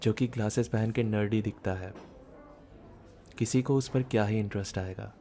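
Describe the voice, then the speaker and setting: A man acting a shy, bookish man in his thirties in an intimate ASMR romance roleplay, speaking softly as if musing, with some background noise. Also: lowish voice, lightly acted. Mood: wistful musing. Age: 30s. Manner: soft, unhurried, intimate, musing. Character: shy, bookish, self-doubting thirty-year-old man, tender romantic lead. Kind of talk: ASMR boyfriend roleplay audio drama.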